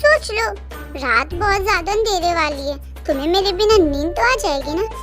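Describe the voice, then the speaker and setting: A woman voicing a gentle young woman who patiently coaxes and mildly scolds, reading a storybook. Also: very high-pitched, animated, moderate pace, soft background music. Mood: coaxing.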